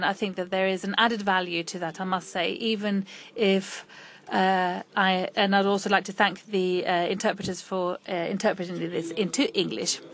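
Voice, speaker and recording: Halting woman interpreting a lecture live. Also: mid-range voice. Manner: halting, frequent fillers and restarts. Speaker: conference interpreter.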